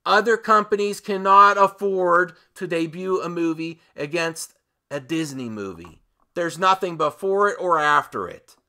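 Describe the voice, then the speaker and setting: Male commentary host, sharp and intense tone, unhurried delivery, punchy emphasis, opinionated rant style. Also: fairly high pitch, expressive. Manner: emphatic, with dramatic pauses and repeated phrases. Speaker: host of a movie commentary channel.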